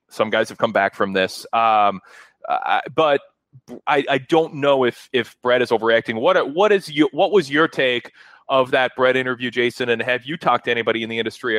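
A man hosting a casual talk radio show in a wordy, halting, rambling way. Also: medium pitch, a bit bright, no echo. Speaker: show host.

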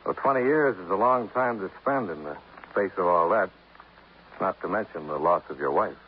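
A cool, wry investigator who narrates and questions people in a dry, laconic way. His voice is fairly low. The sound is dull, old radio, with a faint hiss. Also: lively intonation, normal speed. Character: wry insurance investigator, grown man, cool. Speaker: narrator and lead. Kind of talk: 1950s radio drama narration.

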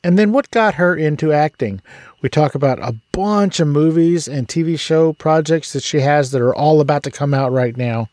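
A man's voice: fairly high pitch, moderate pace, a little mellow, no echo. A man hosting a podcast, introducing his guest in an upbeat, chatty way and asking her questions. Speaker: podcast host. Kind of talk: casual interview.

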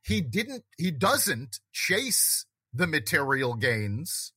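A man's voice: fairly high pitch, very animated, extremely slow, bright, forceful tone, husky, no echo. A man hosting a conversation, talking earnestly and reflectively about self-improvement, with frequent restarts. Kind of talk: casual conversation.

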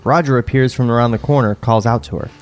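A man reading screenplay directions in a plain, mid-pitched voice, then breaking off to wryly question the story. Faint music hums behind him. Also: fast. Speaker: co-host reading stage directions. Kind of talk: casual comedic chat and script narration.

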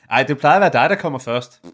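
A man's voice: medium pitch, a bit bright. A man, a podcast co-host, chatting casually and making dry, wry remarks. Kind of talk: casual chat.

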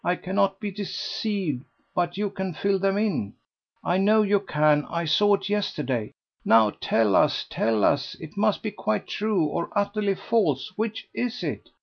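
A man voicing an excitable, gossipy older society lady who gushes and pleads breathlessly. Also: sits high, a little slow, vocal fry, dull audio, pitched above the performer's own voice, heavily acted. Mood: gushing.

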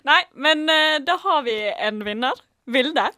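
A woman hosting a word quiz in relaxed radio chat, playful and full of small pauses. Her voice sits a little high and the studio sound is dry and close. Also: no room sound. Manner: playful, with frequent filler pauses. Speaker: quiz host.

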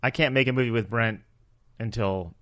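A man's voice: medium pitch, normal speed, a bit bright, no echo, clean studio sound. A man co-hosting a podcast in casual, joking banter over a video call. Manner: joking, informal. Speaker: podcast co-host.

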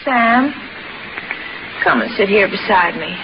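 An actress playing a bedridden, long-suffering wife in a 1940s radio drama, with a gentle, plaintive, wistful delivery. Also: female voice, mid-range voice, lively intonation, takes it slowly, vocal fry. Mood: wistful, pleading. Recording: noisy, dull 1940s radio recording.

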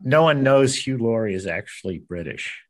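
A man's voice: medium pitch, animated, normal speed. Wisecracking male podcast co-host. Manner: joking asides. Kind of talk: casual podcast chat.

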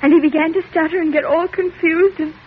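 A terrified young daughter, her voice trembling and tearful. It sits very high. The sound is thin and tinny with a faint hiss, like an old radio broadcast heard down a line. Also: steady tone, fairly quick. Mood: shaken. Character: frightened, hysterical young woman, trembling daughter. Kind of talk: 1940s radio drama acting.

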